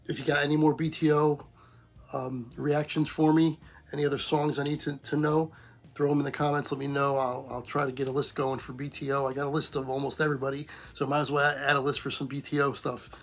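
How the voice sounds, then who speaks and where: A middle-aged man hosting a music reaction channel, talking casually with lots of ums, hoarse and losing his voice. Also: medium pitch, a little fast. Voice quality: husky. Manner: relaxed, repetitive, lots of ums.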